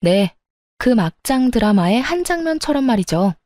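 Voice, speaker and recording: A woman's voice: fairly high pitch, very animated, moderate pace, warm tone, dry recording, studio quality. A woman narrating her own story in the first person, telling it in a matter-of-fact way.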